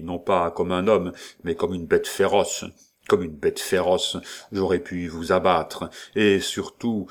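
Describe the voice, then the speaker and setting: A man voicing a cold, commanding grey-bearded nobleman in black, speaking in a cutting, imperious way in an audiobook. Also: deep voice. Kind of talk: audiobook character voice.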